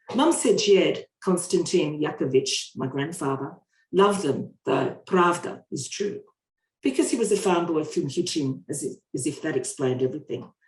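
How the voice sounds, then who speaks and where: Somewhat breathy and delivered at a moderate pace, the voice has lively intonation and a strong Australian accent. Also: woman, fairly low pitch for a woman. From Australia, Hawkesbury area near Sydney. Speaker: artist or researcher presenting at webinar. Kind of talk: prepared talk, reading aloud. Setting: online webinar. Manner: halting, with stumbles over words.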